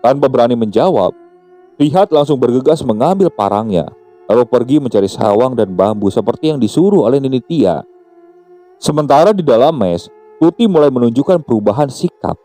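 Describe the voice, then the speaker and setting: A man narrating a scripted horror story in a steady, measured way. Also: mid-range voice. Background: faint music.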